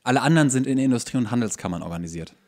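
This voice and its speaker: Man, medium pitch, podcast co-host, casual, agreeable, frequent short affirmations. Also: animated, racing, a little mellow. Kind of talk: casual conversational chat.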